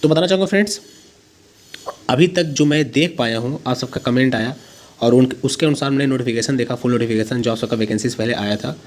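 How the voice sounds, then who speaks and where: A man's voice: medium pitch, fast, a little mellow. A man hosting an informal explainer for students, talking emphatically and mixing in English words. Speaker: host of a job-notification video channel.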